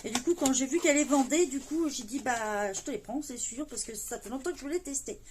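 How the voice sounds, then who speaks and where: A woman's voice: high voice, fairly quick, a little mellow, slight background noise. A woman chatting casually as she unboxes a parcel of coloring books, full of fillers and delighted little exclamations. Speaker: coloring book haul vlogger.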